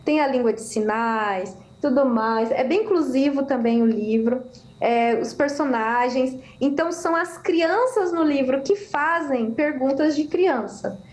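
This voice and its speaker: Woman guest author, high voice, animated storyteller, echoey room on a video call. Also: measured pace. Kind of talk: casual chat.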